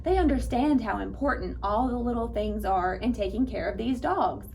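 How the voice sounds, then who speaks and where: A woman reading aloud to young children at storytime, with an animated manner and speaking directly to her listeners. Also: fairly high pitch, normal speed, vocal fry. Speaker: children's librarian and storytime reader.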